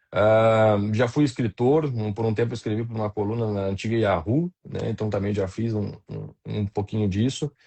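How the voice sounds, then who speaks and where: A somewhat breathy, fairly low-pitched male voice with ordinary pitch variation and hardly any pauses. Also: moderate pace. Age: 40s. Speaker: tech and management consultant. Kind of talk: interview conversation. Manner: halting, many fillers.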